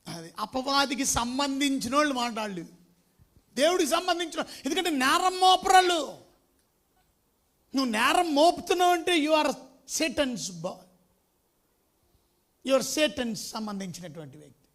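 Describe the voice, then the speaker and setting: Bright, high-voiced preacher. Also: male voice, expressive, a little slow, pauses often. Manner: emphatic, questioning the congregation; mixes in English phrases. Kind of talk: Telugu sermon.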